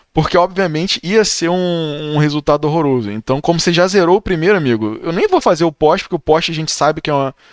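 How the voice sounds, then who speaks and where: Sounding dry and close with no echo, a man talks at a very fast pace with a fairly high pitch and ordinary pitch variation. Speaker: automotive safety YouTuber. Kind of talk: video reaction commentary. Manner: casual, conversational.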